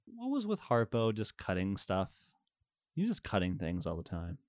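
A man's voice: on the low side, wildly swooping pitch, moderate pace, darkish tone, no room sound, clean studio sound. A young man co-hosting a casual film review podcast, rambling with fillers and laughter. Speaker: podcast co-host.

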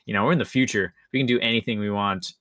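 A man's voice: on the low side, fast talker, sharp tone, no room sound, clean studio sound. A man co-hosting a podcast, chatting casually in an informal, rambling way. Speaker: podcast co-host.

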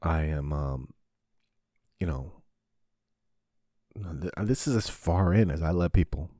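A man hosting a podcast, crying as he opens up in a halting monologue, swearing often and restarting his sentences. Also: rumbling low, warm tone, dry recording, clean studio sound. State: crying, sniffling. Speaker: podcast host. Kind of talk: emotional confessional monologue.

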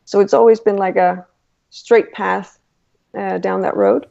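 A woman from Denmark with a Danish accent, a Danish native speaker, answering relaxed interview questions and pausing to search for words. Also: mid-range voice, creaky. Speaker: illustrator guest. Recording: dull lo-fi call audio.

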